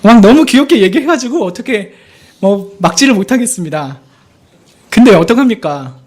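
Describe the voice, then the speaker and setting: A man's voice: sits high, moderate pace. A man serving as assistant pastor, preaching a Sunday sermon and acting out prayers and conversations as he goes. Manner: animated, acts out quoted prayers and dialogue.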